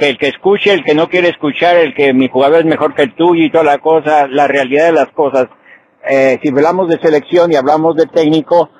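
A man's voice: fairly high pitch, poor audio. An older man from Jalisco with a Mexican accent, calling into a sports talk show and rambling heatedly, often tossing in "ok?". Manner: rambling, repeats "ok?". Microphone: phone while driving.

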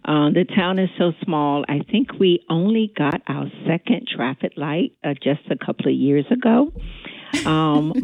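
A woman's voice: low voice, no echo. A woman with a North Carolina accent, a guest chatting casually in an interview, hesitant with frequent ums. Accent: Southern US, North Carolina. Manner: warm, hesitant with many ums. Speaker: guest, chamber vice president. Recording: tinny phone line.

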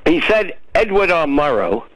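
A blunt, gruff man from New York rants on a call-in radio show. His pitch swings widely, and his voice sits a touch high for a man. The sound is dry and close. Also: big pitch swings, normal speed, a bit bright, no echo. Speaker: caller.

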